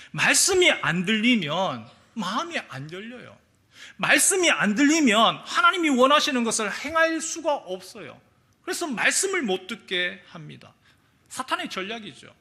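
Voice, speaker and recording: A male pastor preaching a Sunday sermon, telling a story and acting out the people in it. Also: sits high. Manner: animated storytelling, acting out quotes. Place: church sanctuary.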